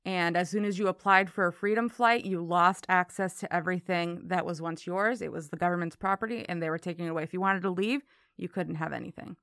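A woman's voice: on the low side, fairly even intonation, fast talker, fairly bright tone, dry recording, studio quality. A woman from Miami in her thirties with an American accent, telling her story casually as an interview guest. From Miami, Florida.

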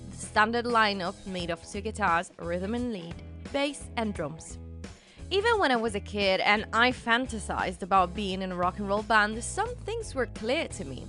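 A woman's voice: medium pitch, pushed and bright. A woman hosting a podcast, telling a scripted story in a conversational way and speaking directly to her listeners. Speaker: podcast host. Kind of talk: scripted storytelling narration with personal asides.

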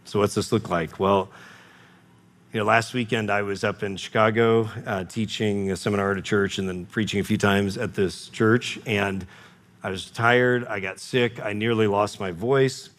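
Male pastor, lowish register, earnest sermon delivery with self-corrections. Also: fairly even intonation, moderate pace, fairly bright tone.

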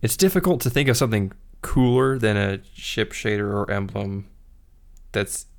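A man's voice: lowish voice, expressive, moderate pace, creaky. A man co-hosting a casual gaming podcast, speaking in a hesitant way with fillers and self-corrections. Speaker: podcast co-host.

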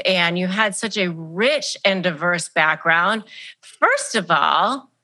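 Bright, effusive woman podcast host. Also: on the low side. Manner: effusive and emphatic. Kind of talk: podcast hosting.

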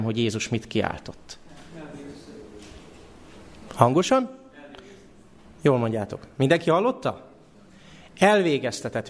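A male preacher delivers a sermon in a church. He is animated and asks his listeners questions. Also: a little high.

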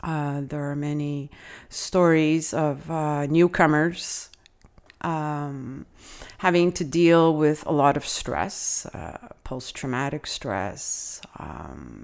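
Woman teacher, middle-aged, low easy voice, reflective interview guest. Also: a little mellow, smooth. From Canada. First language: Italian. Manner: reflective, measured, frequent uh and um fillers. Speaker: adult educator, guest. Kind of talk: interview answers.

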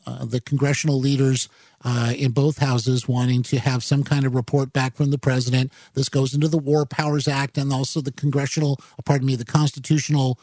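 A man runs a talk radio show, offering news commentary into a studio mic that picks up no room sound. He has a medium-pitched, slightly mellow voice and rambles haltingly, with plenty of fillers and self-corrections.

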